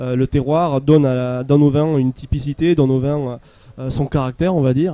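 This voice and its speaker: A man with a southern French accent speaks at medium pitch in a dark, mellow tone. His fairly quick delivery is monotone and flat. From southern France. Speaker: winemaker. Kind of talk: interview. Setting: live event stage set. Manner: halting, many hesitations.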